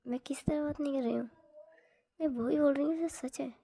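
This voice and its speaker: A woman's voice: sits high, steady tone, a little fast, warm tone. A woman voicing an angry, cold young married woman who scolds sharply. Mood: defiant.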